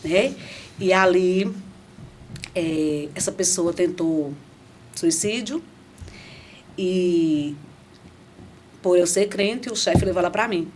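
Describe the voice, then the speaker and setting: A middle-aged woman, a podcast guest, telling her faith testimony in an animated, conversational way. She often restarts phrases and turns to her listeners with asides. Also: on the low side, slow, pauses often, slight background noise. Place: podcast studio.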